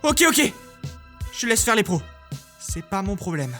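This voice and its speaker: An actor playing a hapless young male smuggler in an audio drama, sarcastic, excitable and self-mocking. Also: sits high, measured pace, faint music behind, heavily acted. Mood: hesitant, awkward. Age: young adult. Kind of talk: dramatised audio narrative, character acting.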